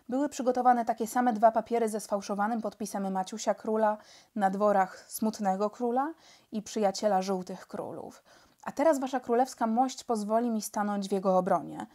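A woman's voice: medium pitch, normal speed, natural voice. A woman reading a storybook, voicing a courteous, mild-mannered male spy chief. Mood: explaining. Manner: mild, courteous, gentle-spoken. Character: elegant polite male spy chief, calm.

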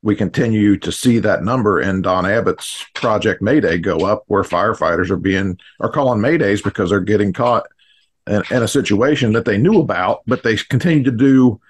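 Husky, lower-voiced American man. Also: moderate pace. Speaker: fire command instructor and podcast guest. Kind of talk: explanatory interview talk. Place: small indoor home studio, on a video call. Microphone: studio mic on boom arm.

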